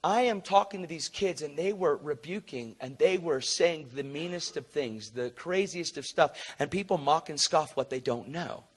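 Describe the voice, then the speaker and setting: A man preaching a sermon through a story, acting out the people he quotes with sudden loud high jumps and dropping to a soft, earnest low tone. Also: moderate pace, few pauses, breathy edge. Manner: animated, acts out quotes with big jumps in pitch and volume; drops to a low, soft, earnest tone for tender moments.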